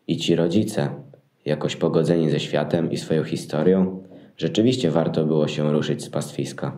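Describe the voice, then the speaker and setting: A shepherd in a Christmas audio play, grumbling yet thoughtful, acted by a man. His voice is very low and mellow, and the room rings around it. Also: steady tone, normal speed. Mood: musing. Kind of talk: amateur Christmas nativity audio play acting. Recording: roomy, echoing sound.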